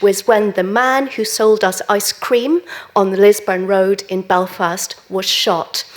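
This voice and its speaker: Middle-aged woman, gallery director at a lectern, measured delivery, pitch mid-range, many ums. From Northern Ireland. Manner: measured, with frequent ums and repeated "very, very". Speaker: gallery director giving a lecture. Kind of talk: public lecture.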